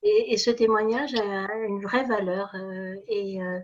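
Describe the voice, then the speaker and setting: A woman moderating an online question session, measured in her speech and thanking the guest. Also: mid-range voice. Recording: muffled lo-fi line.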